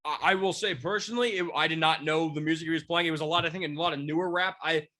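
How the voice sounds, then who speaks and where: Congested young man, bright tone. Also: a little high, steady tone, fast. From Washington State, near Seattle. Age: 20s. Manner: rambling, frequent restarts and fillers. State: congested from a cold. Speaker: podcast host, sports beat writer. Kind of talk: casual sports podcast chat.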